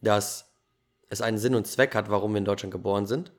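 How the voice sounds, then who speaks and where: A man hosting a podcast, telling his own story in a lively, casual way with youthful slang. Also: on the low side, fairly quick. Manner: animated storytelling, laughs easily, youthful slang. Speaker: podcast host.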